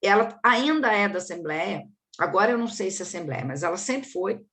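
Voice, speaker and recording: Lively chatty woman in a discussion. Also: medium pitch, fairly quick. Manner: animated storytelling, acts out quoted dialogue. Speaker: study group participant. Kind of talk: casual group discussion.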